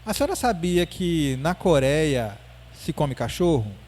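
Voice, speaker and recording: A grave little girl of six lays out her argument with calm, stubborn earnestness, as a man retells her words in a lecture. The voice sits a little high and is spoken without much change. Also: measured pace. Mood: insistent. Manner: earnest, matter-of-fact arguing. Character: serious stubborn six-year-old girl.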